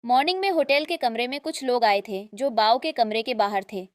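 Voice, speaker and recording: High-voiced woman narrating a drama recap. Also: dry recording, studio quality. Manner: brisk storytelling, reads characters' lines plainly.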